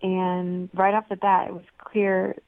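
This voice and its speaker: A woman's voice: mid-range voice, completely flat delivery, unhurried, no echo. A woman calling in by phone, guarded and laughing as she talks. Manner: guarded, laughs while talking. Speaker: caller. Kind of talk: phone conversation on radio. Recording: tinny phone line.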